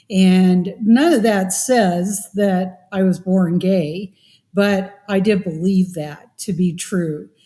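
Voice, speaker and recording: Speaking very slowly with an American accent, a woman uses a dark, mellow tone, a medium pitch, a somewhat breathy quality and fairly even intonation. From US Pacific Northwest (Seattle). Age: 60s. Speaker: former activist sharing testimony. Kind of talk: testimony.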